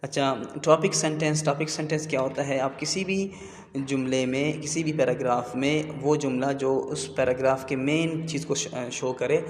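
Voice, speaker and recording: A man explaining English grammar terms in a slow, repetitive teaching manner. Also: medium pitch, fairly even intonation, slight background noise. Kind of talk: classroom lesson explanation. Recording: echoey room with long reverb.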